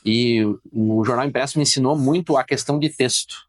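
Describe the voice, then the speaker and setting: A male journalist appears as a guest on a casual podcast interview, speaking in a mid-range voice. He's opinionated and emphatic, and he tells his stories quickly.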